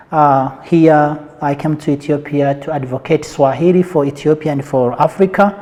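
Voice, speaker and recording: A man's voice: on the high side, warm tone. A man speaking as an interview guest and advocate, explaining methodically, point by point. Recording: echoey hall-like reverb.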